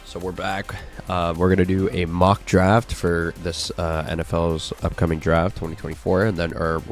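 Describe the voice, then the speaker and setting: A man hosting a casual sports chat, stuffy from a cold, relaxed and full of fillers. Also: low-pitched, moderate pace, soft background music. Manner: laid-back, filler-heavy. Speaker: podcast host.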